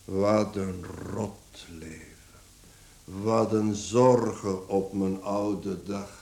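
A man's voice: on the low side, fairly even intonation, extremely slow, darkish tone, slight background noise. An actor playing a weary, stern, grumbling old father in a radio drama. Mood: weary, gloomy. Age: older.

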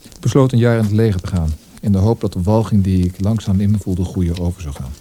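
A man's voice: deep voice, quick pace, mellow, slight background noise, close to an everyday voice. An actor playing a world-weary poet looking back on his youth in a reflective, literary radio drama monologue. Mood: melancholy.

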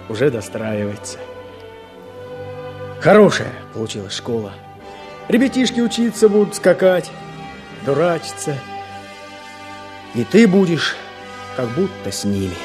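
Young fighter, earnest, heartfelt, reflective, radio drama, medium-pitched, prominent music underneath. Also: male voice, big pitch swings, unhurried, pauses often. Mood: tender, resolute. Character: earnest young fighter, grieving lost friends, hopeful builder. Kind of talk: Soviet-style radio play acting.

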